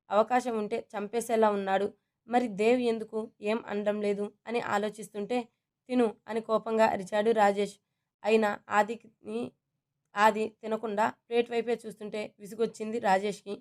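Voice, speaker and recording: A woman storyteller narrating a romantic family story in a steady, even manner. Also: medium pitch, moderate pace. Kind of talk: scripted narration.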